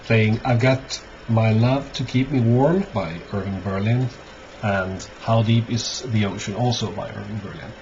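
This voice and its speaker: A man giving a casual, unscripted show-and-tell as a collector, halting often and thinking aloud. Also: fairly low pitch. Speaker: record collector presenting finds. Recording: dull lo-fi audio, clear background noise.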